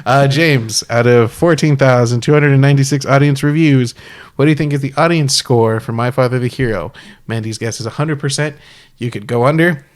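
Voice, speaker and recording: A man's voice: mid-range voice, a little fast. A man from Texas co-hosting a comedy movie podcast, running a quiz game with dry, teasing asides. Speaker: podcast co-host. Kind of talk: casual podcast chat.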